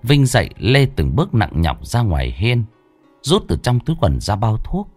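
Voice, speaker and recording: A man narrating a ghost story in a slow, dramatic, hushed telling. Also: fairly low pitch, wildly swooping pitch, no room sound. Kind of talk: scripted horror story narration. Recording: dry close voice with faint music.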